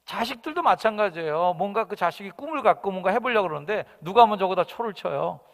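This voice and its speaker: Male pastor, Sunday sermon, emphatic and fairly high, long hall reverb. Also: lively intonation, fast, vocal fry. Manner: emphatic preaching that swings between shouts and soft asides. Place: church sanctuary.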